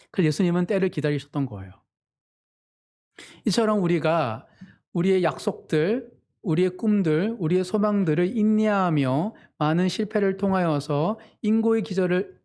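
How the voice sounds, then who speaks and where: A man preaching a Sunday sermon as pastor, in an earnest manner. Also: darkish tone. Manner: earnest preaching, voices quoted family members with sudden pitch jumps.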